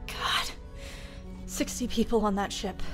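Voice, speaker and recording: An actress plays a shaken spaceship captain burdened with guilt. Her voice is of average pitch, in audio-drama style with clear music. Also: fairly even intonation, a little slow, fairly bright tone, lightly acted. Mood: distressed. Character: dazed, guilt-stricken female spaceship captain.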